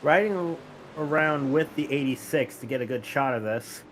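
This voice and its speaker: A man doing casual play-by-play commentary for an online truck race, relaxed and correcting himself as he goes. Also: medium pitch, moderate pace, slight background noise, poor audio. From northern United States.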